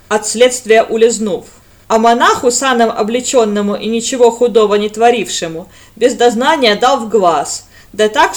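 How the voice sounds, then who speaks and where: A woman's voice: fairly high pitch, natural voice. A woman voicing a sardonic commanding man who reads aloud in a mocking, declamatory tone.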